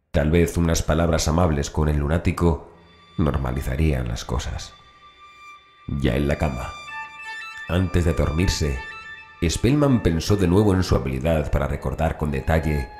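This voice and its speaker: A man with a very low voice narrates a horror audiobook. The recording has a noticeable roomy echo, and music runs softly behind his scripted reading. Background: background music.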